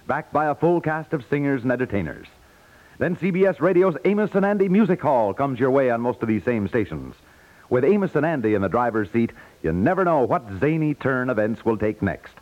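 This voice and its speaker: A man with an American accent reading scripted 1950s network radio announcements in a polished, upbeat sales delivery. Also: mid-range voice. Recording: dull lo-fi 1950s radio recording.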